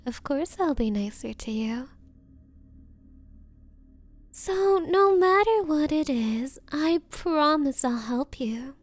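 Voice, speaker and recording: A woman playing a bratty, rich yandere girlfriend in an ASMR roleplay, talking down sweetly and possessively with teasing, drawn-out phrasing. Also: high-pitched, no echo. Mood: coaxing, smug. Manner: condescending, teasing, faux-sweet, drawn-out valley-girl phrasing. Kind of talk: ASMR roleplay, anime-style girlfriend audio.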